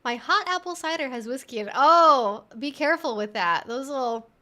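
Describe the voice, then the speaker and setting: A woman's voice: high-pitched, animated, moderate pace, pushed and bright. A young woman hosting a livestream, chatting in an informal, rambling way as she answers viewer comments. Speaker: livestream host.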